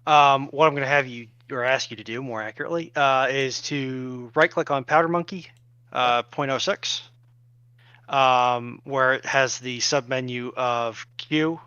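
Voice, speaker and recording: A man's voice: mid-range voice, fairly even intonation, unhurried, sharp tone, smooth, no room sound. A man giving casual step-by-step technical instructions, phrasing them politely and a bit hesitantly, on a slightly lo-fi mic. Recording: dry, slightly dull lo-fi mic.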